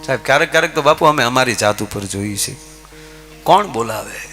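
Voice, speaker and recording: A man telling folk comic stories on stage, lively and addressing his listeners directly. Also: mid-range voice, fast, faint music behind. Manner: lively, animated, addressing audience as "bapu" and "saheb". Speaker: folk comedian storyteller. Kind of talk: stage folk humor storytelling.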